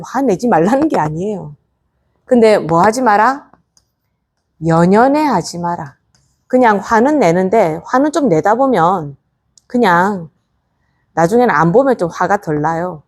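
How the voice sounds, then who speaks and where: A woman's voice: mid-range voice, darkish tone. A woman, a Buddhist nun, lecturing in a conversational way and often putting rhetorical questions to her listeners. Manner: coaxing rhetorical questions to the audience.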